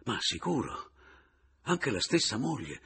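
Husky, expressive male audiobook narrator. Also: mid-range voice, measured pace. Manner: expressive, dramatic first-person reading. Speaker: audiobook reader.

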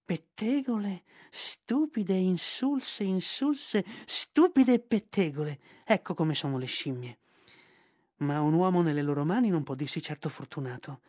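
A man's voice: high-pitched, expressive, unhurried, a little mellow, dry recording, clean studio sound. A man voicing a huge proud male rock python who talks with scorn and rising outbursts. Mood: scornful.

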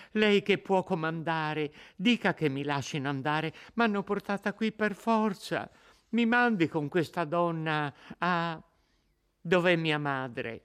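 A man's voice: a little high, smooth, voice pushed up, lightly acted. A man reading aloud voices a frightened young peasant woman who begs desperately and trembles.

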